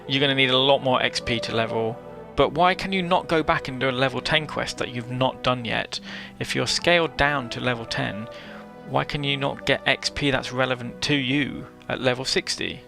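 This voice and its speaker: Opinionated gaming man with a gravelly edge. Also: medium pitch. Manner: opinionated, emphatic. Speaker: gaming video host. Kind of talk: opinion commentary on an online game. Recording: music behind the voice. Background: music.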